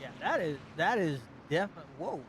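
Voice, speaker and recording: A man's voice: on the high side, expressive, normal speed, a little hiss or hum. A man doing casual color commentary for an online truck race, chatty and often stammering as he starts a sentence. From United States.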